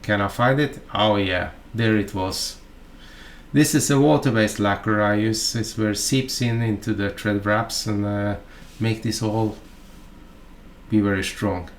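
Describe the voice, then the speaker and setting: A man from Norway with a Norwegian accent, narrating a fly-tying tutorial in a halting, chatty way full of fillers and asides. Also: fairly low pitch, steady tone, slight background noise.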